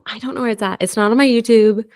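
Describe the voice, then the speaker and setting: A woman co-hosting a casual podcast chat, playful, with quick reactions. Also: on the high side, darkish tone, no echo, clean studio sound. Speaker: podcast co-host.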